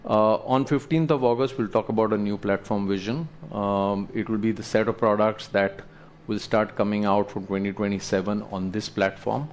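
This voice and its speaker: A man presents company results to investors as an executive, explaining slides in a measured, halting way. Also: lowish voice, steady tone, a little hiss or hum. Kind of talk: earnings presentation to investors, talking through slides.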